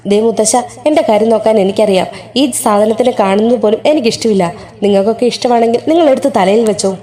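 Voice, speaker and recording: A woman's voice: a little high, quick pace, lightly acted. Woman doing a harsh, scolding young mother. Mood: contemptuous. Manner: sharp, contemptuous scolding.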